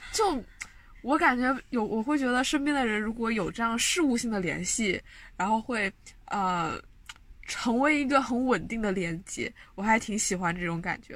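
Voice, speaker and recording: At a fairly high pitch, a woman with a normal speaking voice talks at a moderate pace with lively intonation on a very clean recording with a silent background. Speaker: university graduate, podcast co-host. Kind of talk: casual chat. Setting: university dorm room.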